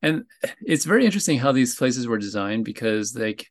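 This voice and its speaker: A man from New Jersey, a guest on a podcast, talking casually and haltingly, often pausing to find his words. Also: mid-range voice. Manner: relaxed, hesitant, searching for words. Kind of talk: casual chat.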